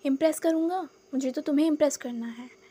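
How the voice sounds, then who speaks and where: A woman's voice: high-pitched, fairly quick, warm tone, close to an everyday voice. A woman voicing a bold young man who teases and dotes in an insistent, playful way. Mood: teasing.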